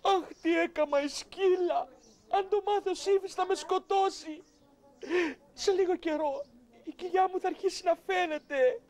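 A woman's voice: very high voice, a little mellow. A woman doing a wailing dishonoured young woman. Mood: lamenting. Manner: sobbing, wailing, over-the-top lament. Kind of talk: comic dub acting. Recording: echoey room, voice from off-mic.

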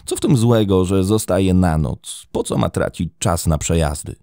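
A man's voice: deep voice, animated, moderate pace, creaky, dark tone, no room sound, clean studio sound. A man voicing a defensive, infatuated middle-aged businesswoman who makes excuses in a crime story reading.

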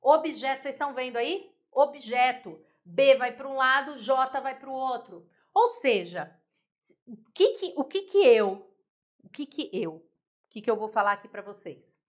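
A Brazilian Portuguese teacher, a woman, giving a lively online grammar lesson, explaining step by step and checking whether the class follows. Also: sits high, a little slow.

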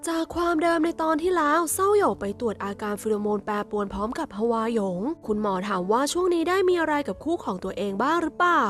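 Chatty high-voiced woman recapping a series. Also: big pitch swings, fast, hardly any pauses, faint music behind. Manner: chatty, playful. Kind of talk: casual spoiler narration.

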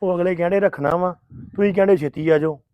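An actor playing an impatient young husband who insists on going home in a family drama. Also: male voice, high-pitched, fairly even intonation, fast, smooth, no echo, lo-fi sound, natural voice. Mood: on the phone. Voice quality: insistent, grumbling. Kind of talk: Punjabi family drama acting.

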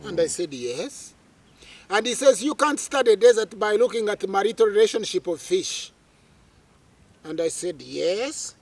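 A middle-aged man from Uganda, a guest in an interview, telling his life story in a dramatic, animated way, with many fillers, recorded outdoors under a tree on a lapel mic. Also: high-pitched, moderate pace.

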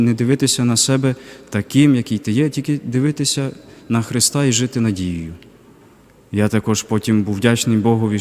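A young man, a deacon, giving a reflective personal faith testimony in a halting way, pausing often. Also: lowish voice, darkish tone, in a large hall. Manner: reflective, halting, with pauses and fillers. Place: cathedral parish.

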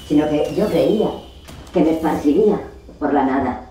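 A woman performing a theatrical monologue as a discarded literary character, bitter, self-pitying and indignant, lamenting with dramatic pauses. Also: sits low, dark tone, lightly acted. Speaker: actor rehearsing a monologue. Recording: distant mic, echoey room, faint noise.

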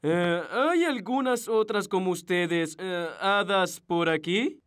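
A man's voice: sits high, over loud music. A man voicing a hesitant, bewildered dad in a children's cartoon, with a Latin American Spanish accent. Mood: bemused. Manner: halting, bemused.

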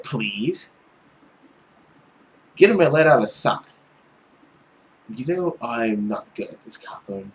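A young man reading a visual novel aloud as a let's play host, reacting in a playful, exclamatory way. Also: high-pitched. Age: young adult.

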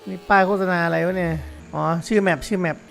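A man giving excited game commentary to his viewers, exclaiming and laughing often. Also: high-pitched, fast talker, vocal fry. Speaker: gaming YouTuber.

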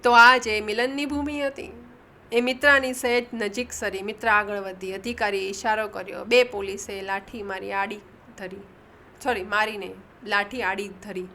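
Bright-voiced woman reading an audiobook. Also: mid-range voice, fairly even intonation, moderate pace. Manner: reads dialogue with raised emphasis, corrects own slips. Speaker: audiobook narrator.

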